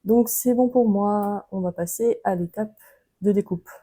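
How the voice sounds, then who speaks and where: A woman's voice: mid-range voice, unhurried, husky, low-quality recording. A woman with a French accent, chatting casually through a book-crafting tutorial with frequent hesitations. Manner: relaxed, chatty, many hesitations.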